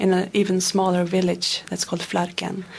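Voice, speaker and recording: A woman speaks with a Swedish accent over light background noise. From northern Sweden, Robertsfors; Sweden. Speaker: singer-songwriter; guest. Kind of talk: radio interview. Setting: radio studio.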